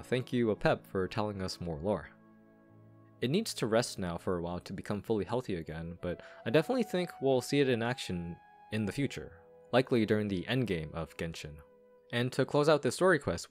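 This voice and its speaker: A man giving scripted video commentary as he reviews and analyses a game's story. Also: fairly low pitch. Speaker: game reviewer and lore commentator.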